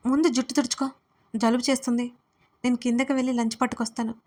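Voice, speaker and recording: A woman's voice: fairly high pitch, level tone, fast, darkish tone, natural voice. A woman voicing a brusque, bossy young man who scolds and teases in an audio story. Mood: bossy teasing. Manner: gruff, teasing, bossy.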